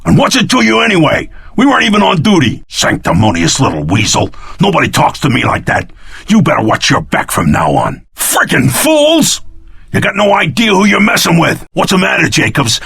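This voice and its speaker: An actor playing a hot-headed, insolent hired soldier in a video game, sneering and threatening. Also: male voice, a little high, huge pitch swings, normal speed, creaky, a bit bright, slightly rough, heavily acted. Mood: resentful. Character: snarling hot-headed gun-for-hire soldier, cocky and insolent. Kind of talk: video game combat barks.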